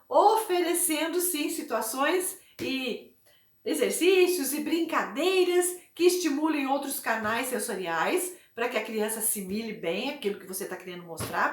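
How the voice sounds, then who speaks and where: A woman's voice: high-pitched, a bit bright. A woman, an educational psychologist, giving parents an informal, chatty talk and often checking in with the listener. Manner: chatty, punctuates with "né?". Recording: echoey room.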